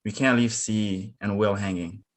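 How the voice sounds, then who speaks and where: A man reading the part of a cautious, protective husband in a drama, measured and understated. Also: lowish voice, steady tone, a little hiss or hum, natural voice. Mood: steady, concerned. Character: cautious, steady, protective husband and town official. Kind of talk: screenplay table read.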